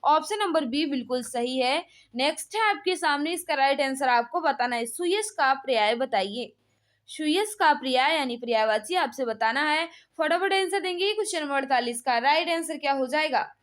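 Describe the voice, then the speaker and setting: High-pitched woman teaching a quiz. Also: animated, fairly bright tone. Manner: brisk prompting, repetitive set phrases. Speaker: online exam-prep teacher running a live quiz class. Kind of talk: live quiz lesson, reading questions and confirming answers.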